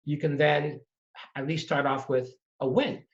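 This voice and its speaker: A middle-aged man from Trinidad and Tobago, a real estate investor telling his story in an emphatic, animated way during a conversation. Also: fairly high pitch, a little slow. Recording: dull lo-fi audio.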